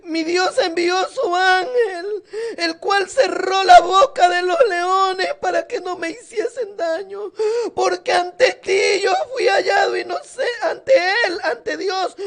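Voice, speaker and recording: A man's voice: extremely high pitch, vocal fry, fairly bright tone, full character voice. A woman preacher voicing a devout prophet who makes an earnest, tearful declaration of innocence. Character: faithful prophet, calm, devout young man.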